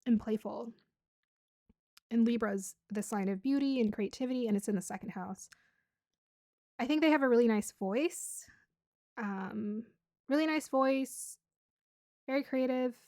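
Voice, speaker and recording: A woman doing a casual tarot reading to camera, chatty and bubbly, laughing often and a little hoarse from losing her voice. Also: on the high side, moderate pace, pauses often, warm tone, no echo, studio quality. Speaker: tarot reader.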